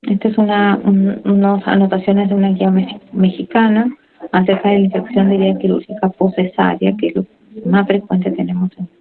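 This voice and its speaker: A woman's voice: medium pitch, level tone, fairly quick, vocal fry. Woman giving a medical lecture, muffled sound. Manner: reads from slides, then explains loosely with fillers and tag questions.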